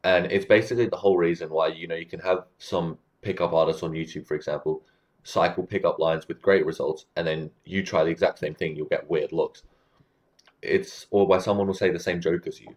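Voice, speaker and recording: Deep-voiced man giving casual advice. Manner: relaxed, explanatory, checks in with "right?". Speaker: communication coach. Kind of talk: casual advice talk to camera.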